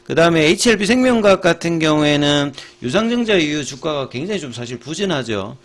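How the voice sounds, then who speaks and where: A man's voice: on the high side, quick pace. A middle-aged man giving casual commentary on stocks, explaining step by step with many fillers and restarts. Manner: explains with frequent fillers and restarts, steady and methodical.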